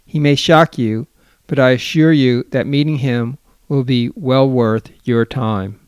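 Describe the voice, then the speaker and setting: Man voicing a courteous guide, formal, polite, smooth clear tone. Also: medium pitch, steady tone, measured pace, no echo, natural voice. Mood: earnest. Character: courteous male host, friend and guide.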